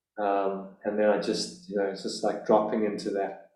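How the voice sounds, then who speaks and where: The tone is dark and mellow, and the intonation fairly even. Speech moves at a fairly slow pace amid audible room echo. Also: man. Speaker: meditation teacher. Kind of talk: online class Q&A. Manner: halting, many repeated words.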